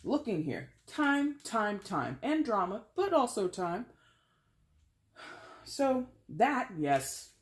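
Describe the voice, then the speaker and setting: A woman with a fairly deep voice giving a casual, animated tarot reading, often trailing off mid-phrase. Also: slow. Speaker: tarot reader.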